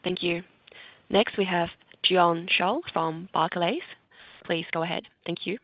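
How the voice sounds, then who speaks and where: Woman call operator, slightly low, muffled. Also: fairly even intonation, measured pace. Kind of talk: scripted call moderation. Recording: dull dry conference line audio.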